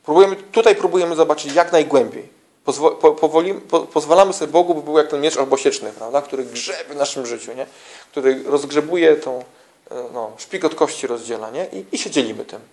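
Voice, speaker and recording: Speaking a little fast with a fairly high, darkish voice, a man gives a casual teaching talk to church small-group leaders. He often restarts his sentences, uses slang, and keeps checking in with listeners through tag questions.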